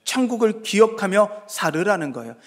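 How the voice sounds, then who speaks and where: A male pastor giving a sermon, moving between hushed asides and loud, emphatic exhortation, now and then acting out his listeners in dialogue. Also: high-pitched, big pitch swings, normal speed. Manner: acts out congregants' voices in dialogue. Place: church sanctuary. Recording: long reverb of a church sanctuary.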